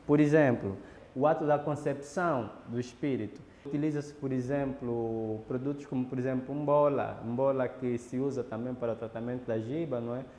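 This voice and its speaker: A man's voice: medium pitch, steady tone, a little fast, a little mellow, slight background noise. A man explaining ritual practice in a documentary interview, lecturing and often adding tag questions. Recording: roomy echo with long reverb.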